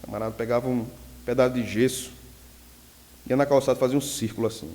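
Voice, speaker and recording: A man's voice: medium pitch, fast talker. A man preaching as a pastor, teaching and telling jokey stories from his own life. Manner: lively storyteller who jokes with the audience. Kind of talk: teaching sermon with personal anecdotes. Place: church hall. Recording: long reverb of a church hall.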